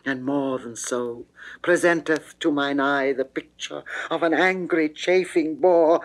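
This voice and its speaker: A man in a classical dramatic poetry reading from the 1960s, voicing a fearful, pleading goddess of love in a measured, declamatory manner. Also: fairly high pitch, low-quality recording. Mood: foreboding. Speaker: reader of dramatic verse. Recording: early 1960s studio recording.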